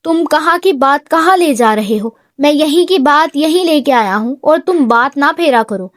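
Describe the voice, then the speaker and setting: A woman voicing a calm, rule-bound young businessman who answers in a clipped, exasperated way. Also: sits high, dry recording, studio quality.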